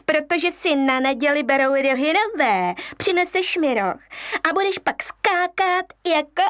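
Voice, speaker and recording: A woman's voice: high voice, lively intonation, a bit bright, no room sound, studio quality, voice pushed up. A woman voicing a scheming female monkey who grins slyly and persuades. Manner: sly, persuasive.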